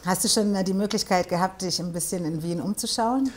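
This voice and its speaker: A woman's voice: medium pitch, a little fast, darkish tone. A woman hosting a studio interview, welcoming and asking many questions, on a lapel mic. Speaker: talk show host. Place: small studio set with armchairs.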